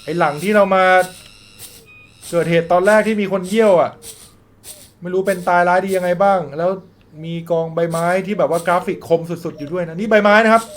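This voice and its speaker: High-voiced man doing playful game commentary. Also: brisk. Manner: jokey, crude, reads out in-game dialogue, yelps when startled. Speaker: gaming YouTuber.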